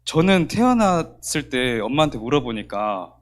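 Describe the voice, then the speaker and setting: A man preaching a sermon as pastor in a church, telling a story in an animated way and acting out the dialogue. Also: medium pitch, moderate pace.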